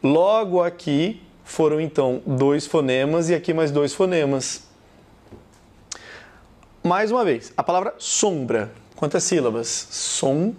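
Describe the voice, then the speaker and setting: A man's voice: fairly high pitch, animated, a little slow, a little mellow. A man with a Brazilian Portuguese accent teaching a lesson, emphatic and repeating each point, acting out little example sentences. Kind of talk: classroom lesson.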